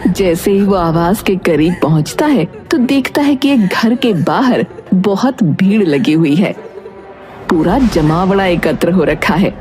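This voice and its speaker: A woman's voice: fairly low pitch, animated, unhurried, a little mellow. A woman reading scripted narration of a dramatic moral story. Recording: music under the voice. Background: music.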